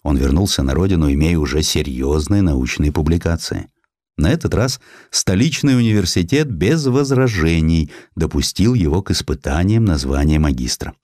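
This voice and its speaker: A man narrating a historical story as a scripted radio audiobook, in a measured, dramatic storytelling manner. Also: sits low, darkish tone, dry recording, clean studio sound.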